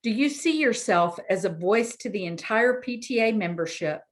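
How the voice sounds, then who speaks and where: A woman's voice: on the high side, lively intonation, moderate pace. A woman moderating candidate speeches, asking brief, formal questions.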